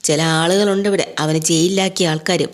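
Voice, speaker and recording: A woman's voice: fairly low pitch, steady tone, brisk, natural voice. A woman voicing a vengeful older father who threatens the people who jailed his son, blustering and menacing. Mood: threatening.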